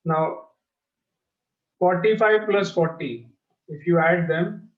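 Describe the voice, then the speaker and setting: A man's voice: sits high, slow pace. A male maths teacher with a South Asian accent explains step by step to pupils, repeating his phrases. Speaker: mathematics teacher. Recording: dull, echoey lo-fi class audio.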